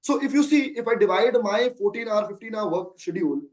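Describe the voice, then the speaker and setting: This Indian-accented CEO, in his thirties, handles earnings call questions with lengthy, emphatic replies and rhetorical questions. He talks fairly quickly, his high-pitched voice expressive.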